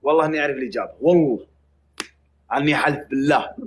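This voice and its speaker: Saudi male streamer, rapid joking banter, faint background noise. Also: medium pitch. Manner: joking, mock-threatening banter. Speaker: livestream host. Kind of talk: casual livestream chat.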